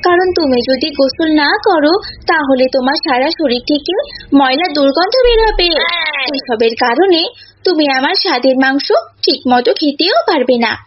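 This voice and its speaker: A woman's voice: sits high, highs cut off, a little hiss or hum, natural voice. A woman voicing a clever, unafraid young cow in a cartoon folk tale, coaxing and politely reasoning. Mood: sweetly reassuring. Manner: coaxing, reasoning, addresses listener as uncle.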